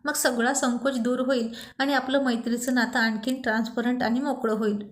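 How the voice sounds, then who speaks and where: A woman's voice: a little high, steady tone, normal speed, lightly acted. A woman voicing a playful, insistent young woman who teases and coaxes in a storybook. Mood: teasing. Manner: teasing, coaxing.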